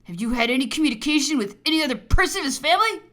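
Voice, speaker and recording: A woman's voice: medium pitch, fast, gravelly, a bit bright, breathy edge, heavily acted. A woman voicing an angry, menacing, domineering British colonial governor in a dramatized memoir audiobook, imperious and accusatory. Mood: imperious anger.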